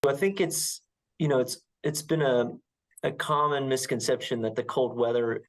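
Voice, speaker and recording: A man's voice: medium pitch, moderate pace. American man, a doctor explaining conversationally. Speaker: sports medicine doctor. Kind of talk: interview soundbite, unscripted explanation.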